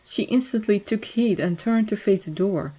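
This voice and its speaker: A woman's voice: mid-range voice, moderate pace, warm tone, breathy edge, poor audio. A woman reading scripted story narration as the narrator of an audio drama.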